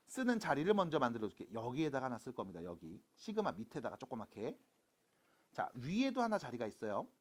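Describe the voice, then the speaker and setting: A math teacher lecturing high school students in a playful way, asking questions and answering them, with silly sound effects while writing. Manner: talks students through writing on a board.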